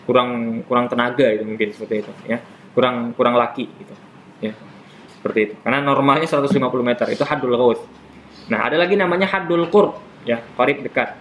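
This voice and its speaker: A man's voice: medium pitch, fairly bright tone, slight background noise, low-quality recording. Man teaching Islamic law casually. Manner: explains step by step, repeats terms, teases students. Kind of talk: casual classroom lesson. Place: classroom with students.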